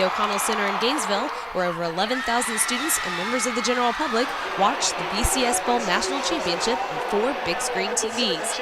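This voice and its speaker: A woman's voice: on the high side, heavy background noise. A woman reading scripted news narration as a multimedia reporter.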